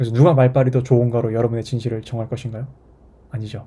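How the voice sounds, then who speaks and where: Talking at a very fast pace, a man has a somewhat breathy voice with a dark, mellow tone. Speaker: dating and relationships youtuber. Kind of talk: casual monologue. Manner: casual, conversational.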